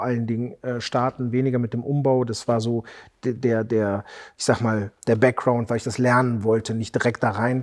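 The intonation is monotone and flat, at a moderate pace. The background is quiet. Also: man. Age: 40s. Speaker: custom motorcycle builder; interviewee. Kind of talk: interview. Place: workshop.

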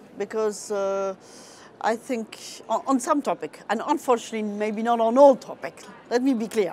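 Over light background noise, a woman speaks at a fairly high pitch with ordinary pitch variation and a moderate pace. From France. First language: French. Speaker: politician. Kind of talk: panel discussion. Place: hall. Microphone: lapel.

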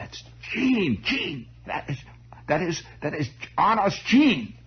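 A man speaks in a put-on character voice pitched fairly high. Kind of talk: radio monologue storytelling.

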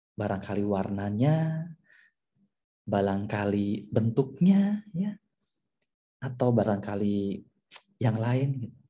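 A man speaks at a very slow pace with long, frequent pauses, his medium-pitched voice somewhat breathy and dark and mellow in tone, showing ordinary pitch variation and big swings in loudness. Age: young. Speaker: CSR professional and workshop speaker; workshop trainer or coach. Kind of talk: online workshop talk. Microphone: video call.

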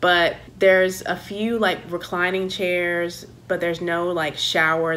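A woman speaks at a fairly low pitch. Light background noise can be heard. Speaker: flight attendant vlogger. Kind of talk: casual vlog chat. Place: home room. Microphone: phone near.

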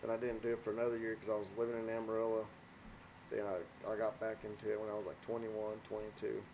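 Over noticeable background noise, a man with a West Texas accent rattles along at a very fast pace in a flat monotone, his tone dark and mellow. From Texas Panhandle. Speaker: demolition derby driver and mechanic. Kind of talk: casual interview. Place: home room. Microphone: studio mic.

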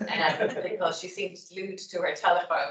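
At a moderate pace, a woman talks in a room with audible echo. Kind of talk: formal meeting tribute speech. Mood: warm, lightly humorous. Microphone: video call.

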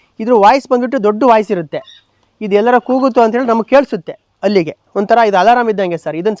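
The man's voice sits high in pitch with ordinary variation, captured with a dry, close sound and no echo. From Karnataka, Shivamogga district. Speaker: poultry farmer. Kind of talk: casual explanation.

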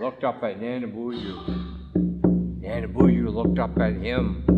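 A man speaks at a moderate pace with music playing behind him. His loudness swings widely. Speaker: storyteller and author. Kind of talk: storytelling to a live audience.

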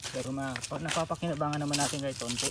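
Monotone and flat, the speech runs at a very fast pace over noticeable background noise. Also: man. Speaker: vlogger. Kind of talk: casual vlog narration.

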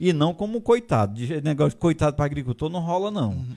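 A man speaks at a fairly high pitch with very wide pitch swings against a quiet background. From Ceará, Brazil (Itapajé hills); Ceará, Brazil. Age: 50s. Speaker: municipal agriculture secretary; interview guest. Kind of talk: interview. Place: studio. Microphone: studio mic.

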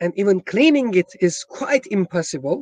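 Pitch swings very widely at a fairly slow pace. The sound is dry with no echo against a quiet background. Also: man. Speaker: lecturer or presenter. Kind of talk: lecture. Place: garden. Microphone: video call.

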